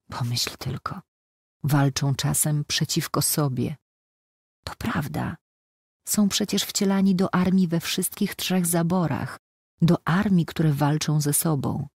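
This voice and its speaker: A woman's voice: sits low, creaky, a little mellow, husky, dry recording, clean studio sound, exaggerated voice. A woman reading a proud wounded young soldier. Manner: joking, then earnest and insistent.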